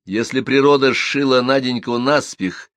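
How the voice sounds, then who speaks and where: A man narrating a literary story in the first person, calm and measured. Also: medium pitch, no room sound, studio quality. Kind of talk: literary audiobook reading.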